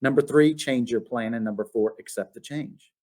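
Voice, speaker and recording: A man's voice: mid-range voice, moderate pace, darkish tone, close to an everyday voice. A man voicing a patient, slightly quirky storybook mother who coaches and encourages. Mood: gentle, instructive. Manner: encouraging, instructive. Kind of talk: storybook read-aloud.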